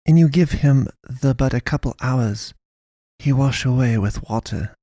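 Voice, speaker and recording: A man reading a story, voicing a stern foreign woman pastor who hunts monsters, speaking slow, blunt, broken sentences. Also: medium pitch, dark tone, no echo, studio quality, voice pushed up. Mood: grave. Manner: broken grammar, blunt, measured.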